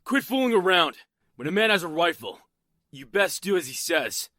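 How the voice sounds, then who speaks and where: A man playing a gruff, suspicious rural rifleman in an audio drama, folksy and threatening, easily rattled. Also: high-pitched, very animated, moderate pace, sharp tone, no room sound, studio quality, full character voice. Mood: impatient, threatening. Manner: folksy, threatening, barking orders.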